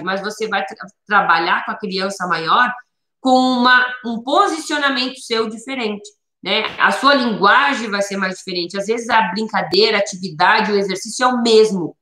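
A woman's voice: mid-range voice, pushed and bright, roomy sound. A woman instructor explaining how to teach children, with many tag questions and rephrasings. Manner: explanatory, repeats points with many "né?" tags. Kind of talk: instructional talk.

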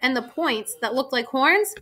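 Bright-voiced woman narrating a storybook. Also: sits high, animated, normal speed. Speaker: audiobook narrator. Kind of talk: first-person storybook narration.

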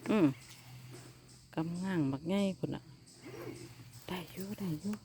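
A woman's voice: lowish voice, a little slow, noisy background. A woman with an Isan accent, chatting casually to viewers while she gardens in her backyard and talks to her dogs. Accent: Isan (Northeastern Thai). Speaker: vlogger.

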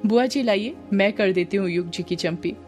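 A woman's voice: medium pitch, normal speed, darkish tone, faint music behind, natural voice. A woman narrator voicing a meek young woman who speaks sweetly and deferentially.

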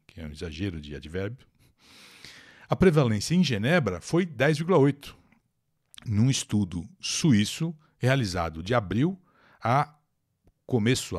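With a fairly low pitch and darkish tone, a Brazilian-accented man runs a live online English lesson. He reads a text aloud, translates it and explains how to pronounce it, chatting with viewers and addressing them directly.

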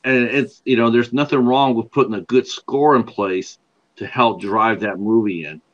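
An older man hosts a livestream interview over a video call, his voice at an ordinary pitch. He rambles through his questions with plenty of fillers and false starts, and the call audio sounds a little dull and muffled. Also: moderate pace, a bit bright. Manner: rambling, lots of fillers and restarts. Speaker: interview show host.

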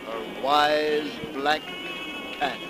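Very slow-speaking vintage male radio announcer. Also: a little high, loud music behind the voice. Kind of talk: 1930s radio announcing, dramatic scripted introduction. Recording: noisy 1930s radio broadcast.

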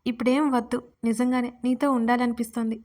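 A woman voicing a shy, tender young bride in an audio story, speaking softly and tearfully. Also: fairly high pitch, little pitch movement, brisk, close to an everyday voice. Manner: soft, shy, tearful speech.

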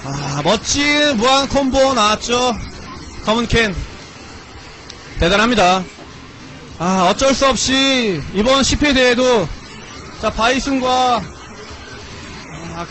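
A man giving excitable, exclamatory commentary on a fighting-game tournament, mixing announcer calls with casual chat. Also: very high voice, slow, long pauses, a faint crowd, poor audio. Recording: loud background noise.

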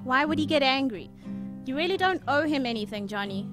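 A woman's voice: sits high, expressive, brisk. A woman playing a caring, probing young student and big sister in an audio drama, with guitar music behind. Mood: concerned.

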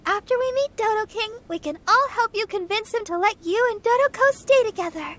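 Very high, sweet teenage girl. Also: lively intonation, a little fast. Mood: kind, encouraging. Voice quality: light, girlish. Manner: gentle, coaxing. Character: sweet, caring teenage girl, encouraging and bashful. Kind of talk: video game voice acting.

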